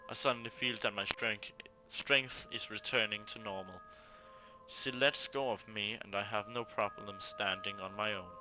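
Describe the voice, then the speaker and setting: A man's voice: fairly low pitch, fairly even intonation, moderate pace, music in the background, poor audio. A man hosting a let's play, reading a visual novel aloud and breaking off for casual asides.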